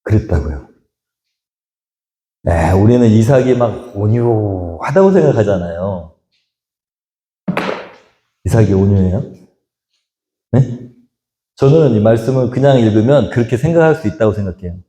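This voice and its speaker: Animated male pastor in an echoing hall. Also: lowish voice, a little slow, pauses often. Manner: animated, quizzes the congregation with questions. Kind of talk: sermon. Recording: echoey church hall reverb.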